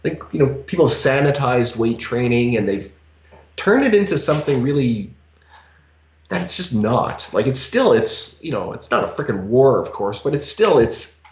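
A man's voice: medium pitch, sing-song, moderate pace. A man in his forties co-hosting a fitness podcast, talking emphatically with lots of "you know" fillers, over a headset on a video call. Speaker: podcast co-host. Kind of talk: casual podcast chat. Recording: echoey, slightly dull call audio.

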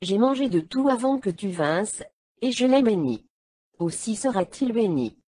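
A woman reading the lines of an elderly blind patriarch in a solemn, measured way. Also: mid-range voice, big pitch swings, warm tone, breathy edge, no echo, studio quality. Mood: grave.

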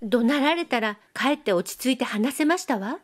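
A woman's voice: animated, fairly quick. Woman voicing a coy, nasal young Edo-era girl. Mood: teasing, lively. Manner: high, soft, nasal lilt with polite feminine endings. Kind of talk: audiobook reading.

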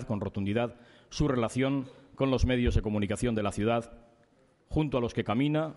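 A middle-aged man giving a formal ceremonial speech at a podium microphone, measured and solemn, building his points in lists of phrases. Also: mid-range voice, darkish tone. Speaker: speaker at a club awards ceremony. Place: large indoor reception hall. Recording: reverberant hall via PA.

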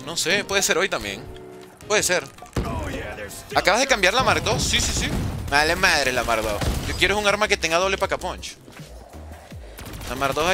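Animated, high-voiced streamer man. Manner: joking, teasing chat with slang. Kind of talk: casual live-stream chat while gaming.

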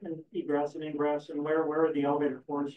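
A man commenting from the floor at a public meeting, speaking haltingly and asking pointed questions. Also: a little high, completely flat delivery. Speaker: resident commenter. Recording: muffled, echoey and distant.

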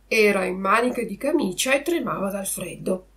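A woman voicing a sly, lame male fox who coaxes smoothly in a storybook reading. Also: medium pitch, animated, moderate pace, a bit bright, natural voice.

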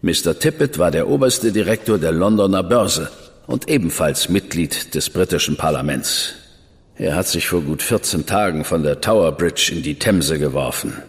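Casting: a very deep, stern, proper official, reverb with faint music. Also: male voice, expressive, normal speed. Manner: formal, stern. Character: stern, proper government man, older brother figure. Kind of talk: German audio drama acting.

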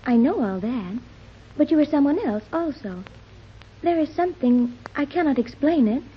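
A formal, oddly detached teenage girl raised on a strange island, in an old radio serial. Her voice is high and lively, her phrasing precise and proper. The recording is dull with a faint hiss. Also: normal speed. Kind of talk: 1930s radio drama acting.

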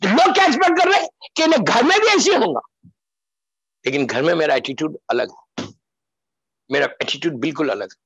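Impassioned high-voiced male preacher. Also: expressive, a little fast, pauses often, fairly bright tone, husky, poor audio. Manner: repeats phrases for emphasis; mixes in English phrases. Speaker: Shia preacher. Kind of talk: Muharram majlis sermon. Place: religious gathering, broadcast live.

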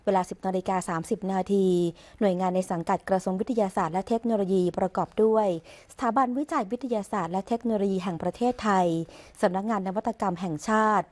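A woman reads the royal court news as a formal broadcast voice-over. Her delivery stays measured, even and ceremonious throughout. It has the steady, scripted cadence of an official news bulletin. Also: medium pitch. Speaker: news reader.

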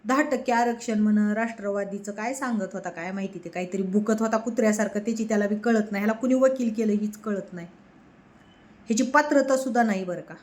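A woman's voice: mid-range voice, fast, a little mellow. A woman delivering a heated, mocking political rant, scolding her target. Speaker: political commentator.

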